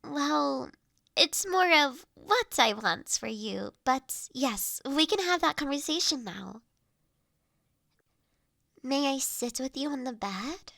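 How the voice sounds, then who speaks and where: Woman acting a high-voiced, slow-speaking, gentle manor mistress. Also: lively intonation, creaky, no echo, studio quality, exaggerated voice. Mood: playful, composed. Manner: measured, formal, old-fashioned phrasing. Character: gentle, formal young manor mistress, earnest and caring. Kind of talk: roleplay audio drama addressed to the listener.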